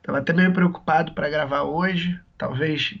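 A man, hoarse from a cold, co-hosting a podcast in casual, rambling chat with many restarts. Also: a little high, steady tone, normal speed, lo-fi sound. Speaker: podcast co-host.

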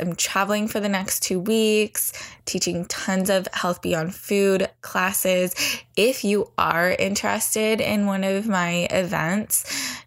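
Slow, gravelly-voiced woman host. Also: fairly low pitch, fairly bright tone. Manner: chatty, upbeat, rambling updates. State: groggy morning voice. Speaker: podcast host. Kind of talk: casual solo podcast chat. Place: in bed, indoors. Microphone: new heavy studio microphone.

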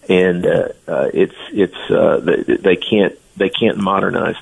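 A man's voice: sits low, fairly even intonation, takes it slowly, vocal fry, breathy edge, poor audio. A man speaking as a guest on a radio interview, giving earnest, blunt opinions. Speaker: guest commentator.

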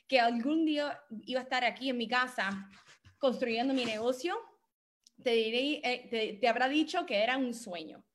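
A middle-aged woman coach giving a motivational training talk from her home office, speaking Spanish with many English words slipped in. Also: on the high side. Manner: mixes English words into Spanish, self-deprecating about her Spanish. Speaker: guest speaker and business coach.

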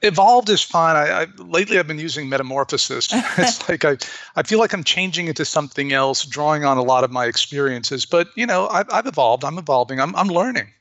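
Interview guest: man raised in Beirut, bright voice, dry mic, reflective with restarts. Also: a little high, expressive, fairly quick, dry recording. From Lebanon. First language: bilingual in Arabic and English. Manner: reflective, storytelling with repeated restarts. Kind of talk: casual interview talk.

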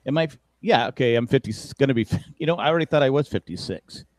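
Animated and quick, a man in his fifties co-hosts a laid-back podcast chat in a medium-pitched, slightly mellow voice. He rambles and corrects himself, poking wry fun at aging, and the recording has no echo.

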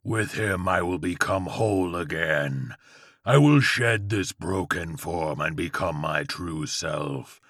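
Slow, growling demon dog. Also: male voice, lively intonation, a bit bright, no room sound, clean studio sound, exaggerated voice. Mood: ominous. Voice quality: deep growl. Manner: slow, drawn-out, commanding delivery. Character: menacing demonic Chihuahua, possessive, growling otherworldly beast.

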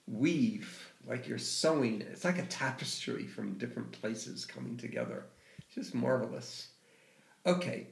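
A man's voice: medium pitch, gravelly. A man hosting a podcast interview, effusive and enthusiastic in his questions. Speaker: host. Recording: echoey room.

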